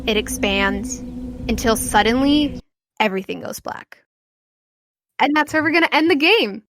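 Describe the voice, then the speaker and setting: A woman hosting as game master of a tabletop audio drama, narrating to listeners over a soft background bed. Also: a little high, animated, normal speed, background noise. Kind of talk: narrating an actual-play game, then scripted credits.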